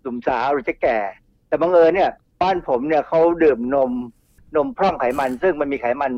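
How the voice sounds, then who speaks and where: Speaking a little high and fairly quickly with a darkish tone and no room sound, a middle-aged toxicologist is a guest in a radio studio. He explains conversationally, wandering into asides and repeating himself, over dull studio audio.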